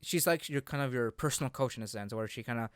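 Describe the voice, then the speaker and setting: A man hosting a casual podcast chat about games, halting as he repeats and rephrases himself. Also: mid-range voice, fairly bright tone, smooth, no echo, clean studio sound. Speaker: podcast host.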